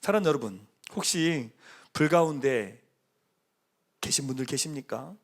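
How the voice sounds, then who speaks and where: An energetic male pastor preaches in a church, and his voice sits high and swoops up and down as he rallies the congregation. He leads them in call-and-response. When he speaks God's promises, he falls to a soft, hushed tone. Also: normal speed. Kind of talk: sermon. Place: church sanctuary.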